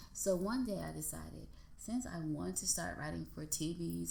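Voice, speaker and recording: A woman's voice comes with audible room echo. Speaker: podcast host and songwriter. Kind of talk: casual monologue. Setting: at her workplace on lunch break. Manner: soft-spoken.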